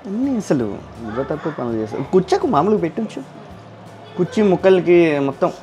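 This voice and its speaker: A man's voice: high-pitched, sing-song, fast, dark tone, faint music behind. A man cooking in his home kitchen, giving directions and teasing his wife as they chat. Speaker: husband doing the cooking.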